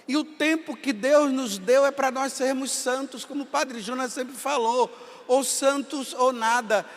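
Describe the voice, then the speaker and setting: A Brazilian priest in his fifties with a Bahia accent, telling stories in a sermon and rising to impassioned shouts. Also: very high-pitched, unhurried. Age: 50s. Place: large hall at a camp gathering. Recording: long reverb of a large hall.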